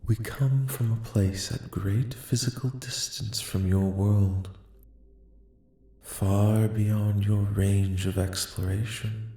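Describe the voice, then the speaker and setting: A man voicing a calm, courteous alien collective in a soft-spoken ASMR roleplay, speaking in slow, formal, reassuring phrases. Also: on the low side, faint music behind. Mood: calm, solemn. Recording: echoing, reverberant voice.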